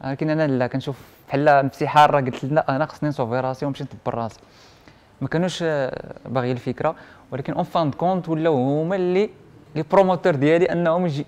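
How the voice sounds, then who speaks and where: Young moroccan arabic guy chatting rapid fire, drops french words everywhere, tells stories with quoted bits. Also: medium pitch, a little mellow. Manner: mixes French words into his speech. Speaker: interview guest; printing and IT technician. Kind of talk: casual personal storytelling in conversation.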